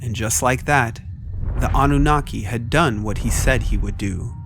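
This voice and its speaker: A man's voice: medium pitch, normal speed, noisy background. A man reading scripted, dramatic story narration as the narrator. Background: prominent music.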